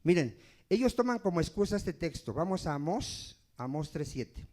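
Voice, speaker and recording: A man's voice: a little high, sing-song, moderate pace, dark tone. A man preaching a sermon as pastor in a church, emphatic and asking the congregation questions.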